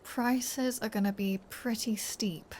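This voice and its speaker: A woman's voice: fairly high pitch, steady tone, slow pace, a little mellow, slight background noise. A woman voicing a flirty, menacing vampire in an intimate ASMR roleplay, teasing and sardonic, often slipping into a whisper. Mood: wry, possessive. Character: flirty, menacing female vampire taunting her captive hunter.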